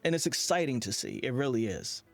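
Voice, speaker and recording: A man's voice: mid-range voice, big pitch swings, fairly quick, dry recording, soft background music. A man hosting an interview in a conversational style. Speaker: interview host.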